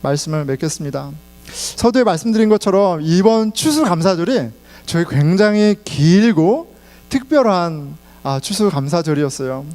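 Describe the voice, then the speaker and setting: A man's voice: high voice, lively intonation, moderate pace, darkish tone, faint music behind. A middle-aged man preaching a sermon in Korean, telling personal stories and laughing along the way. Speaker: pastor.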